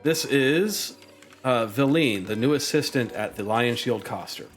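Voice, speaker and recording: A man running a tabletop game, halting and filling gaps with ums and uhs. His voice sits at an ordinary middle pitch, and soft music plays behind. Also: animated. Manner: hesitant, many ums and uhs. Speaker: game master.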